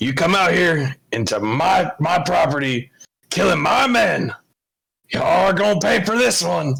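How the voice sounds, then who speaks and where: In a put-on character voice with a Southern US accent, a man speaks raspy and high-pitched at a moderate pace, with very wide pitch swings. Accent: southern American. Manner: threatening, menacing.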